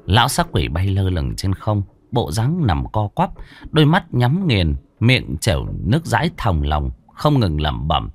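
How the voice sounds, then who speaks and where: Low-voiced man telling a ghost story. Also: unhurried, no room sound. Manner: animated storytelling. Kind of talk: scripted ghost story narration.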